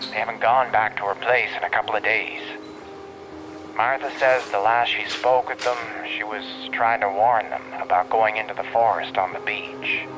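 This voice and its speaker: A plain-spoken man from a small town, played by a male actor, talks in a low voice. It is an audio drama phone call with music clearly underneath. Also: fairly even intonation, moderate pace, lightly acted. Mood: concerned.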